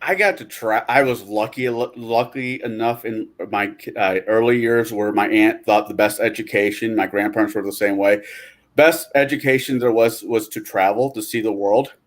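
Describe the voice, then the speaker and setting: A man chatting on a gaming podcast, animated and quick to swear. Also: lowish voice. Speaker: podcast co-host. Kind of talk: casual podcast chat.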